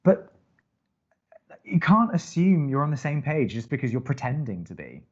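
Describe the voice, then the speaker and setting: A man's voice: medium pitch, very animated, moderate pace, a little mellow, muffled recording. An actor playing a skeptical, guarded young man who co-hosts college radio in an audio drama, with a hesitant, wry way of talking. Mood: earnest, cautioning. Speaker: college radio co-host and advice-giver. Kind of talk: naturalistic audio drama acting.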